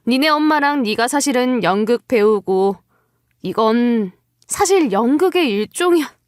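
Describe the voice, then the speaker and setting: Woman playing sarcastic young wife, high, lively voice. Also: no room sound, studio quality, full character voice. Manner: sarcastic, taunting. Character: wronged young wife, sarcastic, defiant, coolly mocking. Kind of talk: dramatized story acting.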